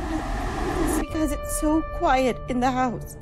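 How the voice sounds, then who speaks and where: A young woman playing a tense, scolding college girl trying to stay sensible, in a halting, emphatic suspense radio play style. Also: high-pitched, steady tone. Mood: nervous. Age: young adult. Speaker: radio drama actor. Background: music.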